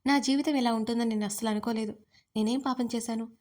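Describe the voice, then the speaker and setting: A woman's voice: a little high, fairly even intonation, fast, darkish tone, natural voice. A woman voicing a frightened, tearful young bride in an audio story, pleading and defiant in turn.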